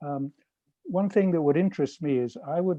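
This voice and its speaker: Man with a British accent. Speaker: public commenter, neighborhood association member. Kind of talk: public testimony.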